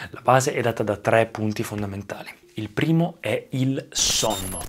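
A man speaks with ordinary pitch variation. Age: 20s. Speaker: wellness YouTuber; wellness youtuber. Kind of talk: tutorial. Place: home room.

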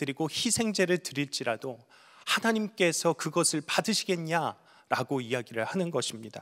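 The setting is quiet. A man talks at a fairly slow pace. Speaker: pastor. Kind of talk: sermon. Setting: church. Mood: earnest, measured. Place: church. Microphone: handheld.

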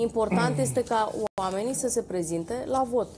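A woman speaks in a normal speaking voice at a fairly slow pace. Her pitch rises and falls in an ordinary way. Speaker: politician. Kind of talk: heated debate.

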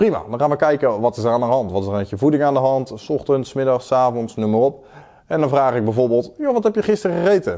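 A man talks at a very fast pace at medium pitch, with very wide pitch swings. His tone is dark and mellow, and the background is quiet. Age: 20s. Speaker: personal trainer. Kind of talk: tutorial. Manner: casual. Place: gym.

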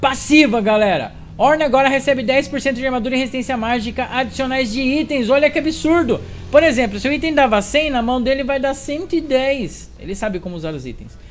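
Extremely high pitch for a man, with ordinary pitch variation, a fairly quick pace and faint music in the background. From Brazil. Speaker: gaming youtuber. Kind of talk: patch notes commentary. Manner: animated. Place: home room.

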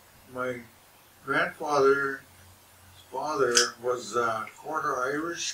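Over loud background noise, a man with a fairly high pitch talks with fairly even intonation and long, frequent pauses. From Minnesota. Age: 70s. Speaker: retired educator. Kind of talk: oral history talk. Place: meeting room. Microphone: camera far.

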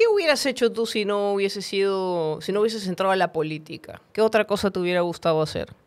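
With hardly any pauses, a woman talks at a very fast pace, using a medium pitch and ordinary pitch variation. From Peru. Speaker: podcast host and comedian; podcast host, comedian. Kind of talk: casual interview. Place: studio. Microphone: studio mic.

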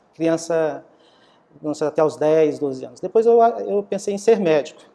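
Lively intonation at a moderate pace. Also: man. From Goiás, Brazil (Firminópolis); Goiás, Brazil. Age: 50s. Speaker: labor court judge. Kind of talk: oral history interview. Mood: calm, reflective. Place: office. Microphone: lapel.

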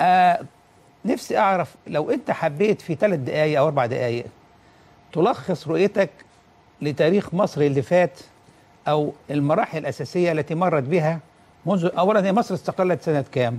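A man talks in a high voice at a very even loudness. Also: lively intonation, moderate pace. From Egypt. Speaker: political writer. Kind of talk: televised debate. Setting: TV studio. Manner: formal. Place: studio.

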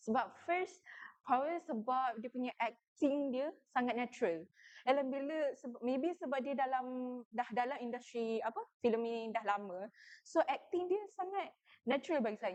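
A high-pitched woman's voice with lively intonation, at a fairly slow pace. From Malaysia, Selangor. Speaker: student guest. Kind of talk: casual film review chat.

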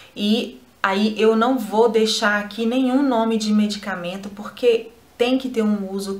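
A woman speaks very slowly, with audible room echo. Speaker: skin care vlogger. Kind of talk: tutorial. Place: home room.

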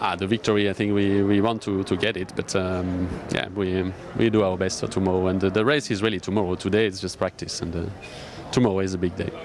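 A man with a very deep, low voice speaks at a fairly quick pace in a monotone, flat intonation, the sound dry with no echo but with noticeable background noise. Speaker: motorsport technical director. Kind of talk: interview. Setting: outdoors at a motorsport event. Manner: hesitant. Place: tent. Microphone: handheld.

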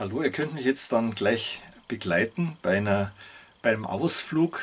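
With a normal speaking voice, a man talks at fairly low pitch using lively intonation. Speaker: vlogger. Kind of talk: casual vlog chat. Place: home room. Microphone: webcam.

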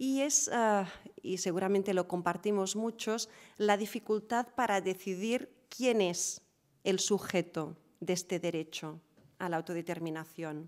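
Over a quiet background, a woman talks at a fairly slow pace. She has an unremarkable speaking voice with ordinary pitch variation. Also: medium pitch for a woman. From Catalonia. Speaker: foundation vice-president; speaker. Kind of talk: panel discussion. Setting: stage with live audience. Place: hall. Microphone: podium.

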